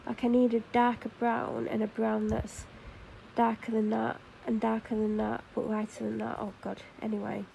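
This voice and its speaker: A woman's voice: on the high side, completely flat delivery, normal speed, creaky, mellow, a little hiss or hum, rough recording. A woman with a Mancunian accent chatting casually to camera while doing her makeup, rambling with fillers and self-corrections. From Manchester, England. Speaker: vlogger.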